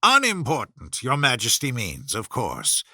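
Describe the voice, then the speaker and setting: Man voicing a bright, fussy, deferential white rabbit. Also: medium pitch, huge pitch swings, a little slow, creaky, no room sound, clean studio sound, voice pushed down, full character voice. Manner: very respectful, fussy. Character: nervous, deferential male white rabbit court official.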